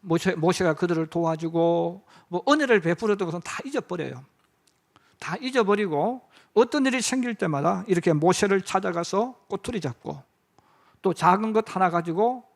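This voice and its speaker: A man's voice: high-pitched, expressive, moderate pace, vocal fry. A middle-aged male pastor preaching a sermon. He tells the story vividly, acts out quoted voices and speaks directly to the congregation.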